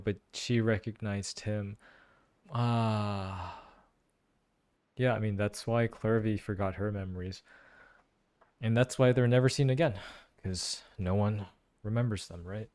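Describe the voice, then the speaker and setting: Low-voiced young man, casual game reactions. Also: fairly even intonation, slow pace, darkish tone, clear, resonant tone. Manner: informal, musing. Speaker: gaming content creator. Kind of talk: casual playthrough reaction and commentary. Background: faint game music.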